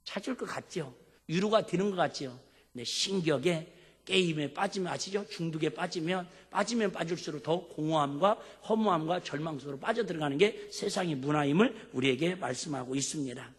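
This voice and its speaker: Emphatic high-voiced pastor preaching. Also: male voice, fairly quick, breathy edge. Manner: emphatic, asks the congregation questions. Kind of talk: sermon. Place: church sanctuary. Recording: long hall reverb.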